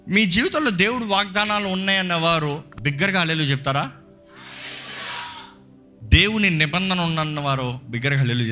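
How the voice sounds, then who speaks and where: A man pastor preaching an animated sermon to a congregation, dropping English phrases in. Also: fairly high pitch.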